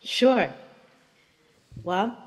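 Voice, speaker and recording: Woman guest, mid-pitched, slow and reflective, on a video call with hall reverb. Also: a little mellow. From Sweden. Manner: unhurried and reflective, with many fillers. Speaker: hip hop dancer, interview guest. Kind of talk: casual interview conversation.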